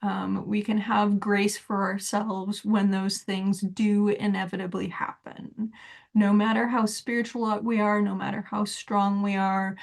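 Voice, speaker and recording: A woman giving a reflective solo talk as a spiritual teacher, measured and thoughtful with soft laughs between points. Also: medium pitch, little pitch movement, gravelly.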